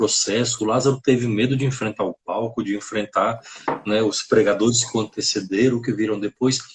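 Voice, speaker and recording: A man talking at a fairly quick clip. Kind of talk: casual chat. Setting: live stream. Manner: careful articulation.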